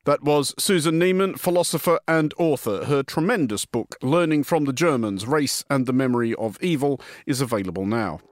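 A man's voice: mid-range voice, expressive, normal speed, few pauses, dry recording. Radio host man, dry studio sound. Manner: crisp, scripted presenter delivery. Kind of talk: news radio interview and presenting. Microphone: studio mic.

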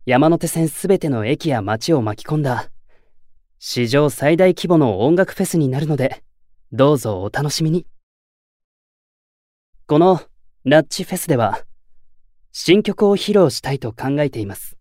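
A man acting a composed, earnest young idol leader in an audio drama, speaking in polite, measured formal phrases. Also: a little high, lively intonation, a little mellow, dry recording, clean studio sound.

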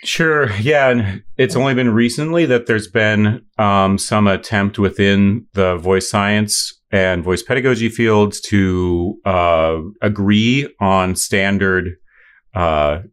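A man's voice: on the low side, slow pace, smooth. A middle-aged man explaining voice science in an interview, thoughtful, with many fillers and restarts. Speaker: voice science expert.

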